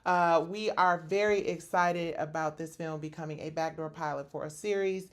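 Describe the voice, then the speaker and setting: A woman's voice: sits low, steady tone, moderate pace. A woman host speaking straight to her viewers in an upbeat, chatty wrap-up that promotes her shows. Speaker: show host and producer.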